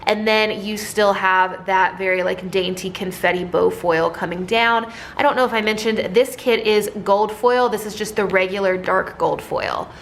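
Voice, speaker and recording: A woman talking casually through her new sticker designs, chatty and rambling, with a slightly hoarse voice. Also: medium pitch, steady tone, normal speed, few pauses, fairly bright tone, slight background noise. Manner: chatty, rambling, many ums and likes. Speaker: sticker shop owner and designer. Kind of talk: casual product walkthrough.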